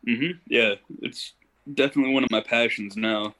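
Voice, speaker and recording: A young Ohio man guests on a podcast, casually telling stories in an easygoing way and leaning on fillers like "you know." His medium-pitched voice is steady, normally paced, pushed and bright. The low-quality recording carries a little hiss or hum.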